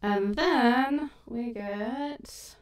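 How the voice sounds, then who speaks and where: A woman who makes and hosts audio dramas chats through a relaxed editing livestream, joking at her own expense and laughing a lot. She speaks extremely slowly in a fairly high voice, heard through a distant, echoey stream mic.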